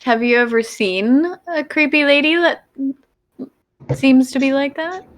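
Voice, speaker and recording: A woman's voice: sits high, a little slow. A woman playing a tabletop role-playing game, speaking casually in character as she asks questions.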